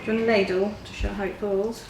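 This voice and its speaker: A woman's voice: mid-range voice, flat delivery, fast, very noisy. A woman in her thirties demonstrating a recipe as guest cook, explaining each step in a practical, plain way. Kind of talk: casual cooking demonstration. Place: home kitchen, indoors. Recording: roomy kitchen with faint ambience.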